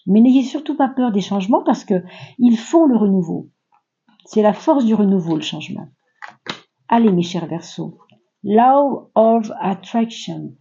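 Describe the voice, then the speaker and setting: A woman's voice: medium pitch, expressive, normal speed, long pauses, warm tone, dull audio. A woman giving a casual, reassuring tarot reading to her viewers, talking loosely with many fillers. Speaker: tarot reader.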